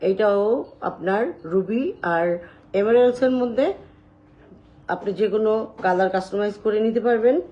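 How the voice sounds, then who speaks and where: A woman hosting a live sales stream, showing jewelry and talking loudly and chattily to her viewers. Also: mid-range voice, moderate pace, dull audio. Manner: loud, chatty, addresses viewers directly.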